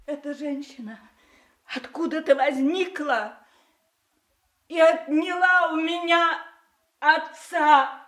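Bitter grown daughter, really high voice, slow delivery, scornful, old soviet stage drama. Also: female voice, a bit bright. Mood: wounded. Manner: scornful, accusing, emphatic repetition. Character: bitter, contemptuous, wounded adult daughter. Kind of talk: Soviet theatre audio drama acting.

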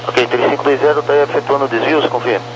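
A man with a Brazilian accent, an air traffic controller giving brisk routine clearances over a two-way radio. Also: medium pitch, steady tone.

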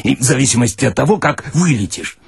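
A man giving a theatrical, expressive first-person reading of satirical short stories, with deliberate pauses and a husky voice. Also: mid-range voice, no room sound, studio quality. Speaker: narrator, reader of literary stories.

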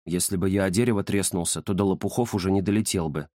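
A man voicing a quiet, puzzled black male cat who speaks softly and thoughtfully in an audiobook. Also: low-pitched, quick pace, no echo, clean studio sound, voice pushed down, natural voice. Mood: pensive. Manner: soft, thoughtful, hesitant. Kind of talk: audiobook character voice.

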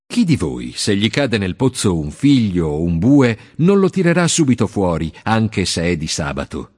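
A calm, authoritative Jesus, read by a man in a bible audiobook. The delivery is measured and solemn, with a lively melody that climbs and drops through each phrase. A long reverb trails behind every line. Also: lowish voice, breathy edge. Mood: solemn teaching. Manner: measured, solemn teaching cadence.

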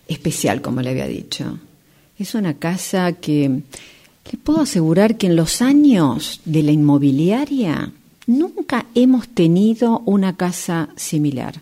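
A woman in an amateur radio play acting a smooth-talking, insistent female real estate agent, with theatrical dramatic pauses. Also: fairly low pitch, dark tone. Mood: sales pitch.

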